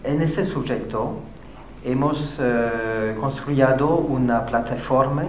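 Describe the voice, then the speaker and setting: A man with a French accent giving a conference talk, halting often as he searches for words in a language he is still learning. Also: medium pitch, darkish tone, slight background noise. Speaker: conference speaker. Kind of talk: public lecture. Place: conference hall. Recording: echoey hall with faint ambience.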